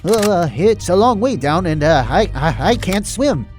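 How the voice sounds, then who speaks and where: A man's voice: high-pitched, very animated, unhurried, over music. A man playing a glib, easily rattled private detective in an audio drama. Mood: nervous. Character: glib male private detective, nervous under threat.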